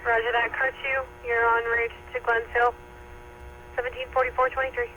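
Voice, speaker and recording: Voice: medium pitch, little pitch movement, moderate pace. A police and fire dispatcher on a two-way radio, clipped and formal, repeating messages back. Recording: muffled radio scanner with loud noise.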